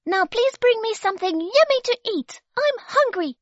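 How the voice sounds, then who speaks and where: A woman voicing a bossy, demanding talking baby girl in a storybook, squeaky and imperious. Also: lively intonation, moderate pace, dry recording, muffled recording.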